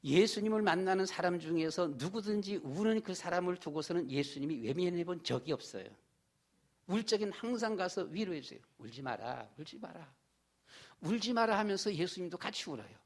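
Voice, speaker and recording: A middle-aged male pastor preaching a sermon in a church, with a slightly higher-than-usual voice. He speaks in a relaxed, everyday way, repeating himself often and scattering fillers like "보게 되면" throughout. The manner is warmly conversational, more like talking things over than a formal address. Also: a little fast. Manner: folksy, repetitive preaching with many "보게 되면" fillers. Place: church sanctuary.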